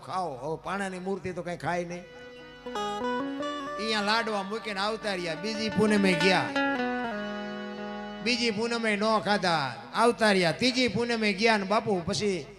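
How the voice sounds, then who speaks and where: A man telling a devotional folk story in an emphatic, sing-song way at a live stage event. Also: sits high. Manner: emphatic, sing-song, addresses listeners as bapu. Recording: guitar music behind voice.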